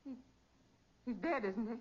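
An actress playing an eager, curious detective's assistant in a 1940s radio crime drama, with a breezy, inquisitive, slangy manner. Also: female voice, fairly high pitch, lively intonation, unhurried, slightly rough. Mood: startled. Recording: muffled vintage 1940s radio recording.

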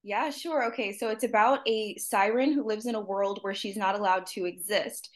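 A woman's voice: medium pitch, normal speed. A woman author being interviewed from her apartment, chatty and upbeat, laughing often. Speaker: author guest. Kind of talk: casual interview chat.

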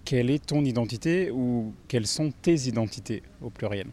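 A man interviewing a guest, asking measured questions with small hesitations. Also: mid-range voice, animated, a little mellow.

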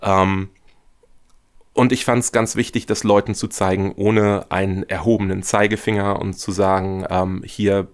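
A man's voice: low-pitched, flat delivery, a little slow, clean tone. A young man being interviewed about his audio drama, speaking in a reflective, earnest way. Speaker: guest, audio drama author. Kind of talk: podcast interview.

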